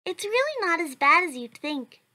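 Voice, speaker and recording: A woman's voice: extremely high pitch, very animated, moderate pace, heavy background noise. A woman voicing a kind, cheerful, determined young child in a cartoon comic dub, with an earnest, chatty manner. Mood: upbeat, chatty.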